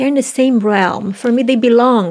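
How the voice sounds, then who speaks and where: At a moderate pace, a woman with a fairly high pitch and ordinary pitch variation speaks in a Portuguese accent. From Brazil. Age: 40s. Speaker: physical therapist and dancer. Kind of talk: interview conversation.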